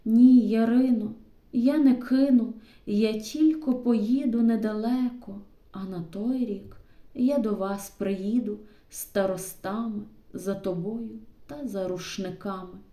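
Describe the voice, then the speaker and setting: Woman playing a young Cossack man, lovesick, earnest, tender, slow. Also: mid-range voice, fairly even intonation, dark tone, echoey room.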